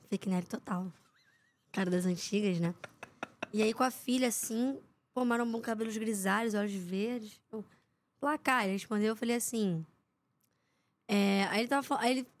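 On the high side and brisk, this young woman's voice carries her anecdotes as a podcast guest. A sports reporter, she's a lively storyteller who performs the quotes of the people she describes.

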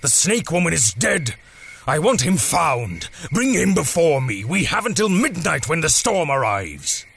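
A man playing the cruel, pompous master of a dark carnival in an audio drama, speaking in grandiloquent commands. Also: a little high, sing-song, measured pace, vocal fry, breathy edge, full character voice. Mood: commanding anger.

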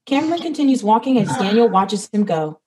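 A woman's voice: a little high, lively intonation, brisk, mellow, low-quality recording. A woman reading the stage directions of a comedy script, matter-of-fact.

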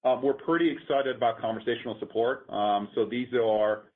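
A man speaking as a company executive, explaining things methodically and haltingly on an earnings call. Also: medium pitch, fairly even intonation. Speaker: company executive answering analysts. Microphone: conference call line. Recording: muffled, narrow-band conference phone line.

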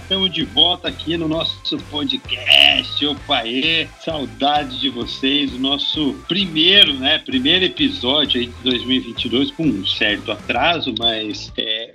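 A man's voice: a little high, bright, forceful tone. A man with a Brazilian accent hosting a podcast in a jokey, casual, upbeat way. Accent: Brazilian Portuguese. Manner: jokey, upbeat, says "né" often. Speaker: podcast host.

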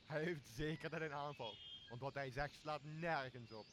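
A man's voice: a little high, moderate pace, noisy background, natural voice. A young man playing a boozy, blustering, greedy castaway in a Shakespeare radio play, with a coarse and bossy manner. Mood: scheming. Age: young adult. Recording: clear outdoor nature sound behind voice.

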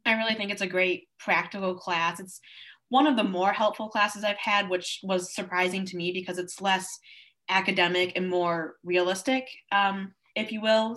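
Medium in pitch and sharp in tone, this woman is a college student of twenty-one. As a guest in a casual interview conversation, she talks in an earnest, upbeat manner, using fillers often.

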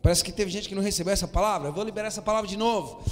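High-voiced preaching pastor in a hall. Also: male voice, racing. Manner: preaching to a congregation, rising to shouts. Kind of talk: sermon. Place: church hall. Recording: long hall reverb, faint music.

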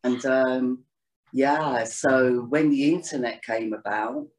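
A woman's voice: very deep voice, steady tone, slow, darkish tone. A woman guest in a casual interview, talking at length in a rambling way with lots of "you know"s and restarts. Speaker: astrologer guest.

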